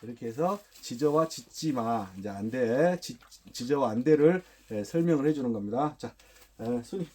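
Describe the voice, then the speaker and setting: A man working as a dog trainer, demonstrating training, who mixes short firm commands with calm explanations indoors. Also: mid-range voice, moderate pace. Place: indoors, a room.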